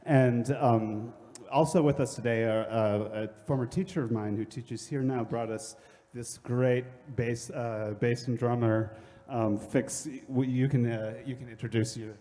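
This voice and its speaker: Man from minnesota, halting intro with fillers, mellow dark tone, long hall reverb. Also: medium pitch, fairly even intonation. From Minnesota, USA. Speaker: performer. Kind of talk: stage introduction.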